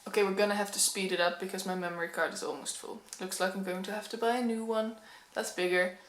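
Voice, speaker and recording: A woman's voice: medium pitch, fairly even intonation, quick pace. Woman with a Dutch accent, twenties, candid nervous chat, ums, echoey room. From Netherlands. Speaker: book vlogger. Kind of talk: casual talking-to-camera vlog.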